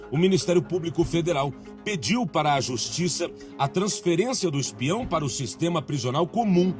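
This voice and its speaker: A man with a Brazilian Portuguese accent, a TV news reporter giving scripted narration in a measured, emphatic delivery. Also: a little high.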